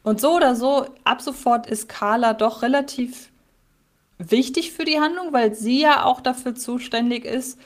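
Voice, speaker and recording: A woman's voice: fairly high pitch, normal speed. A woman co-hosting a podcast, chatting in a reflective way about an old audio drama episode she heard as a child. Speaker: podcast co-host.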